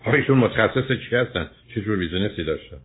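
A man with a husky voice, a radio advice host who probes with questions and interrupts insistently. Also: fairly low pitch, lively intonation. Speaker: advice show host addressed as doctor. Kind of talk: question-and-answer counselling on radio. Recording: muffled, thin phone-like radio sound.

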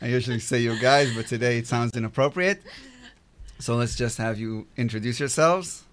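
A man's voice: medium pitch, moderate pace, a bit bright. A man hosting a podcast panel, chatty and a little self-deprecating. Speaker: podcast host.

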